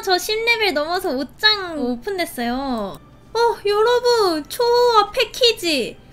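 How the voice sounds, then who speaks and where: A young woman hosting a casual game play video, gushing and giggling with excited exclamations. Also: very high voice. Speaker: game channel host. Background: game music.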